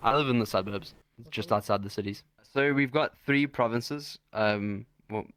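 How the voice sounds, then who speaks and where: This South African man speaks at a moderate pace in a fairly low, slightly bright voice with a clean tone. Appearing as a guest in a video-call interview, he's loose and slangy, wandering off and starting over as he goes.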